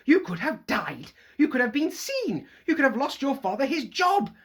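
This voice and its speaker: A teacher reading a children's novel aloud, voicing a short, plump, protective mother in a high, loud scolding voice. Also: very animated, fairly quick. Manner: shrill scolding, shouting.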